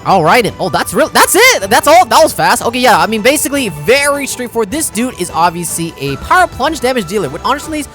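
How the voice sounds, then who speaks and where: A man's voice: very high voice, sing-song, brisk, hardly any pauses, a bit bright. A man doing casual gaming reaction commentary as a YouTuber, informal and slangy, thinking aloud as he goes. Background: background music.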